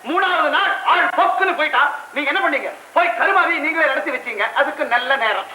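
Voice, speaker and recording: A whiny, sarcastic young groom. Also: male voice, very high voice, lively intonation, quick pace. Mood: mocking. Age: 20s. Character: petty, boastful young groom, male. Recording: roomy old film soundtrack with music.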